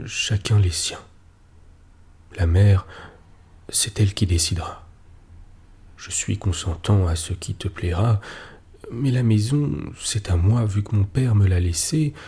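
A man reading as a worn-out old sailor, low husky voice, slow and flat, plain spoken, dark tone, like he's telling it straight with no fuss. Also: exaggerated voice. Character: weathered older sailor returning home, blunt.

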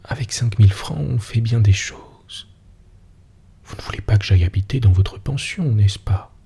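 A man voicing a lively, teasing young woman in a breathy near-whisper, as whispered role-play. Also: lowish voice, moderate pace, exaggerated voice. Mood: eager.

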